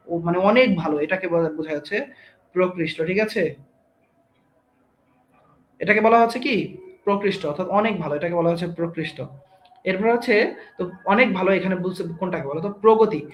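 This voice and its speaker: A man's voice: high-pitched, reverberant, slight background noise. A young man teaching an online grammar class, explaining step by step and quizzing his students.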